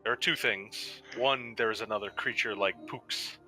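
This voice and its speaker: A man's voice: on the low side, moderate pace, sharp tone, rough recording. A man playing a tabletop horror game, talking mostly in character in formal, stiff phrasing. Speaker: player voicing a formal investigator. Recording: music playing underneath.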